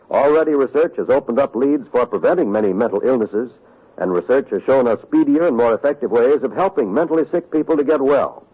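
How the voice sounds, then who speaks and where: A male radio announcer reading an earnest, measured public service appeal. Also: medium pitch, dark tone. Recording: muffled vintage radio recording.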